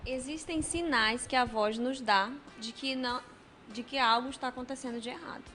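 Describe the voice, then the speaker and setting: Calm Brazilian woman explaining voice health. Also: on the high side, normal speed, faint music behind. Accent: Brazilian Portuguese. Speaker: speech health specialist guest. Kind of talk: explanatory studio interview answers. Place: television studio.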